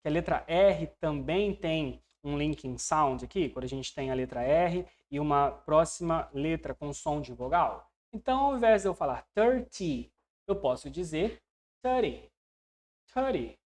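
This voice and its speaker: Patient Brazilian English teacher drilling numbers. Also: male voice, fairly high pitch, expressive, normal speed, hardly any pauses. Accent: Brazilian Portuguese. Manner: patient, often checks in with the learner; voices learners' questions to himself. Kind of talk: online language lesson.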